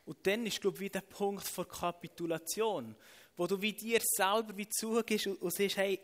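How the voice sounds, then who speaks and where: A man with a noticeably high voice and a Swiss German accent delivers a sermon with earnest, repeated emphasis. His words ring out with a long, echoing reverb from a large hall. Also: steady tone, normal speed, a bit bright. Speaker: preacher.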